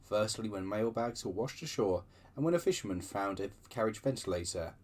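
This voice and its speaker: With a lowish voice and a slightly quick delivery, a man reads extracts from railway books on the channel he hosts. He keeps the storytelling lively and wanders into chatty tangents along the way.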